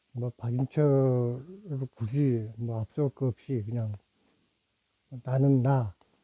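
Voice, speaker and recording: A man with a medium pitch and a dark, mellow, somewhat breathy tone speaks at a very slow pace with long, frequent pauses and ordinary pitch variation, in a dry, close sound with no echo. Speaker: channel host. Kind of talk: casual monologue. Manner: halting, many fillers.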